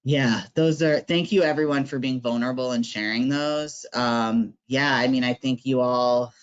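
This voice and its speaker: A man's voice: medium pitch, moderate pace, clean tone, highs cut off. A man facilitating an online workshop, talking conversationally with lots of fillers and tag questions.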